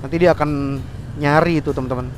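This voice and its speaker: Guy vlogging on his bike, kinda high voice, helmet mic, faint traffic hum behind. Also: fairly even intonation, fast. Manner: chatty, talks about himself in third person. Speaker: motorcycle vlogger reviewing gear. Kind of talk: casual spoken review while riding. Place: on a motorbike outdoors in traffic. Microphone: helmet intercom mic.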